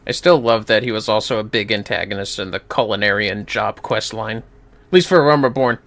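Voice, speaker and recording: A man's voice: fairly low pitch, fairly quick, fairly bright tone. A man giving casual livestream commentary on a game, chatting in informal asides with some swearing.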